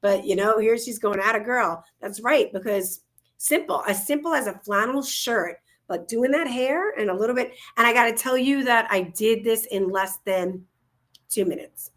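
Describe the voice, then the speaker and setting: A woman's voice: fairly high pitch, moderate pace, a bit bright. A woman co-hosting a casual livestream talk show from home on a video call, bubbly and gushing. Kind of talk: casual upbeat livestream chat. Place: home, indoors, in Florida.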